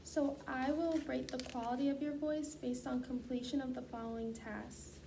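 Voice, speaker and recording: A woman with a high voice speaks as a clinician, formally reading out procedural instructions. She is picked up from some distance from the mic, with clear noise in the recording. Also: flat delivery, normal speed. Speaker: student clinician giving a voice assessment.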